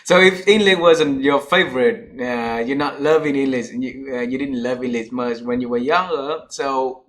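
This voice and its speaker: A man's voice: medium pitch, normal speed, a bit bright. A man hosting an interview, asking questions in hesitant, non-native phrasing. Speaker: interview host.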